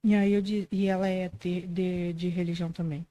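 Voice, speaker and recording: A woman's voice: on the low side, level tone, normal speed, dark tone, low-quality recording. A woman with a Brazilian accent, a podcast guest telling a religious testimony in an earnest, conversational way, often ending phrases with a questioning tag and acting out quoted dialogue. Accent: Brazilian Portuguese. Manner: earnest storytelling, frequent "né" tags, acts out quoted dialogue.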